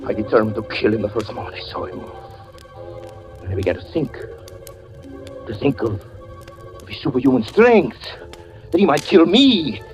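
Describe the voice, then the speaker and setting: A haunted husband relives his wife's death in a brooding, broken voice. His pitch lurches from murmurs to raw cries, wildly expressive. It is an old radio drama with faint music under the words. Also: highs cut off. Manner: brooding, swinging from hush to anguished cries. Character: grief-stricken man confessing his wife's death. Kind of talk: 1940s radio drama acting.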